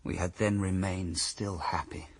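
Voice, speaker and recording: An actor playing Adam, a bitter, reproachful first husband, declaiming formal accusing verse in a radio drama. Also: male voice, sits low, steady tone, a little slow. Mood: regretful, reproachful.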